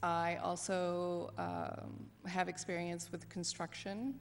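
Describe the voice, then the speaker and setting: Audible room echo surrounds a woman with an American accent who speaks in a fairly low pitch. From Massachusetts. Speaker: board applicant, retired EMT. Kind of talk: public meeting statement. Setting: town hall meeting. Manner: halting.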